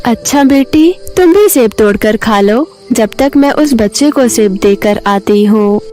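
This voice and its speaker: Woman as a high-voiced motherly old village woman. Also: expressive, a little slow, dark tone, faint music behind. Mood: caring. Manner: motherly, plain-spoken, firm. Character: kind but feisty old village woman with orchard.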